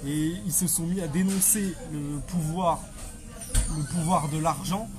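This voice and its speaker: A man's voice: a little high, fairly even intonation. Male author-guest, conversational explainer who restarts phrases, music playing behind. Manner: halting, repeats and rephrases phrases.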